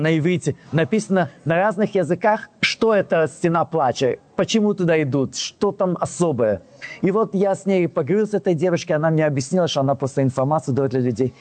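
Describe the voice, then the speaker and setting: Guy telling a story from his own life, voice a bit on the high side, dry close sound, keeps restarting and acting out what people said. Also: no echo. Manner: animated retelling that acts out quoted dialogue; frequent restarts and self-corrections. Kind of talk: casual personal anecdote.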